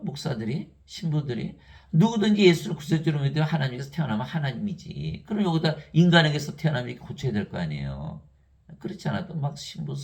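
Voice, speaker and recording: An older man giving a Bible teaching sermon. He reads verses in an even recital tone and argues with exasperated rhetorical questions. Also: medium pitch, vocal fry. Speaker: lay preacher.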